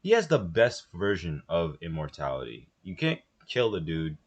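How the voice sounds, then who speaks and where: A man's voice: deep voice, sing-song, moderate pace, husky, dull audio. A young man co-hosting a reaction video, rambling and hesitant in casual chat. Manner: rambling, hesitant, restarts often.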